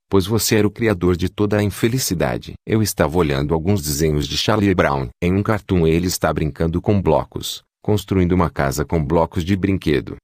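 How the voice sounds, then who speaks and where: A man with a very low, deep voice reads a spiritual discourse slowly and steadily. His tone is measured and instructive. The recording is dry and close, with no room sound. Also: darkish tone, dry recording. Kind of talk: calm read-aloud spiritual discourse.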